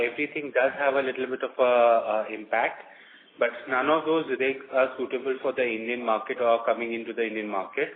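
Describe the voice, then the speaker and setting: A man answering analysts' questions as a company executive on an earnings call. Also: medium pitch. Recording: tinny phone line with noise.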